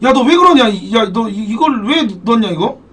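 A young man live-streaming a game, excitable and profane, thanking donors as he plays. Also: very high voice, a little fast, slightly rough. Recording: distant mic, background music.

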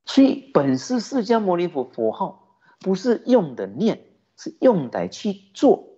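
Buddhist teacher, male, animated sermon delivery, breathy husky tone, muffled low-fi recording. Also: unhurried. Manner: lively storytelling, rhetorical questions, chuckling. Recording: dull lo-fi recording.

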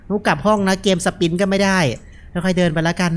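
A young man gives casual, joking horror game commentary, relaxed and unafraid, speaking into a headset mic. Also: sits high, fast, clear, resonant tone. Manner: laid-back, joking, unafraid. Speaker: gaming video host.

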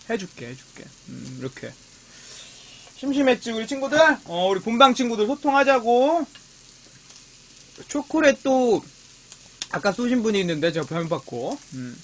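A man's voice: high-pitched, fairly bright tone. A man hosting a live-stream mukbang, casually chatting with viewers and teasing them as friends while he grills meat. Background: meat sizzling on a grill.

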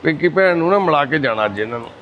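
A man with a fairly high voice speaks softly and kindly, doing the rounds of a shelter and chatting with each resident. He comforts and reassures the people he greets. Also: lively intonation, rapid-fire, highs cut off. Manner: gentle and reassuring, calls women mother and sister. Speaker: charity volunteer visiting residents. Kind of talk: casual chat with care-home residents. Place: indoor shelter for destitute people.

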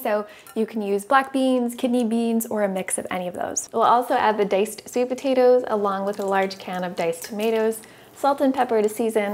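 Upbeat woman in her 30s, cooking host, clear step by step recipe talk, kinda high voice. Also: a little mellow. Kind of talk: recipe instruction with voice-over. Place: home kitchen, indoors.

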